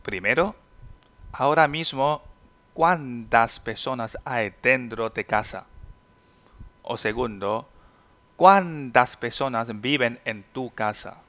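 Man, native Chinese speaker, podcast language teacher; very slow, careful, patient delivery. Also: medium pitch, bright, forceful tone. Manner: slow, careful enunciation of example sentences.

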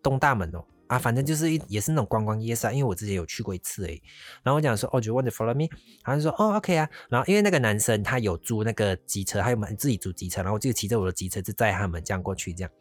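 A man's voice: on the low side, animated, racing, no room sound, soft background music. A man casually telling a travel story, rambling along and slipping into English phrases. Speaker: vlogger.

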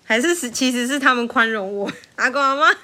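A woman's voice: on the high side, a little fast. A young woman with a Taiwanese Mandarin accent, chatting casually and telling stories with frequent laughter. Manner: animated storyteller who laughs often. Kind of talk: casual chat.

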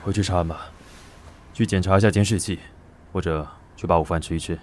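An actor playing a firm, world-weary but caring police squad leader in a Taiwanese-accented audio drama. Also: male voice, sits low, fairly even intonation, a little fast, darkish tone, slight background noise, close to an everyday voice. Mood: weary, admonishing. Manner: authoritative, instructing subordinates. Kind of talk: Mandarin audio drama acting.

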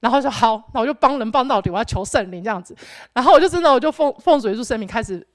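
A woman's voice: on the high side, animated, very fast, no echo. A young woman gives an earnest personal testimony at church, rambling with restarts and fillers. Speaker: church member giving testimony.

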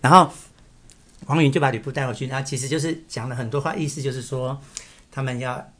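A man's voice: mid-range voice, slightly rough. A man, co-hosting a casual chat and animatedly retelling a classic novel. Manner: animated, drops into quick acted quotes. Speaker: podcast co-host.

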